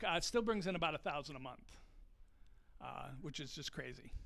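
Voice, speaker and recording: A man speaks in a fairly high pitch with a bright, sharp tone and vocal fry. His loudness swings widely, and his pauses are long and frequent. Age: 60s. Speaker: indie game developer. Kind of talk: conference talk. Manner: halting.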